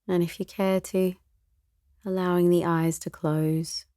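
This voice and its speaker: A woman meditation teacher leading a guided meditation in a soothing, gentle, unhurried way, with a soft voice that turns breathy at times. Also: fairly low pitch, level tone, no echo, clean studio sound.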